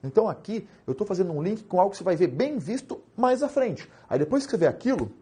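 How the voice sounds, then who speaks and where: A young man with a Brazilian Portuguese accent teaches law in an animated, jokey way. His voice sits high and swoops all over. The tone is mellow with a slight husk. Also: fast talker, husky. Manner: animated, jokey, asks rhetorical questions. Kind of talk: lively recorded lecture.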